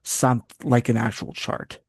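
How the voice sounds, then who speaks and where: A man from Canada talks casually as an interview guest, circling back and restarting his sentences as he wanders off on tangents. His voice sits in an ordinary middle pitch. The recording is dry and close, with no room echo. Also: flat delivery, measured pace, husky. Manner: rambling, restarts often, goes on tangents. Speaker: guest, wrestling site writer.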